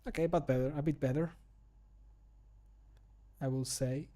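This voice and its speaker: A man's voice: mid-range voice, fairly even intonation, unhurried, mellow. A man in his thirties chatting casually and jokily on a livestream while recording voice lines at home. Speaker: streamer recording mod voice lines. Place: small home room.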